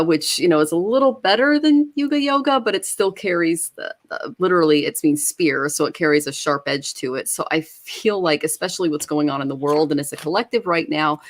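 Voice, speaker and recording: A woman giving a live online tarot reading, speaking reflectively with many fillers. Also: sits low. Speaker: tarot reader.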